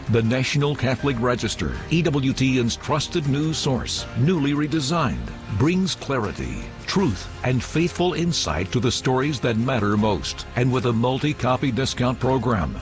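Lively-voiced male ad announcer over music. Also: mid-range voice. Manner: polished, persuasive. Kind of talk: scripted commercial read.

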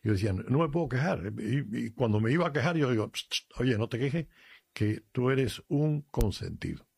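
Sacerdote cubano de voz rasposa y grave. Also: male voice, medium pitch, animated, moderate pace, darkish tone, dry recording, studio quality. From Cuba. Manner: earnest, emphatic, tells personal stories. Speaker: priest, regular guest. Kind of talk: radio chat on faith.

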